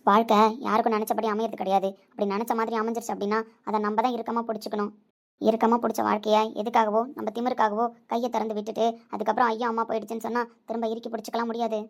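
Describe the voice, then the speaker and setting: A woman's voice: on the high side, little pitch movement, rapid-fire. A woman speaking dramatic family dialogue in an emotional, pleading way.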